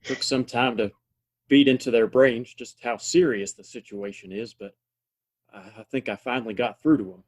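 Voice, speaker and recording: A man playing a gruff, plain-spoken frontier man in a western audio play, with steady, folksy phrasing. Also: mid-range voice, moderate pace, close to an everyday voice. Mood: matter-of-fact.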